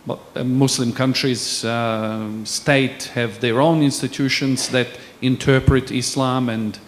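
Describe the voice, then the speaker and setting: A man from Bosnia, asking a panel a long, measured question from the floor. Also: mid-range voice, fairly even intonation, a little hiss or hum. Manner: measured, searching for words. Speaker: audience member asking a question.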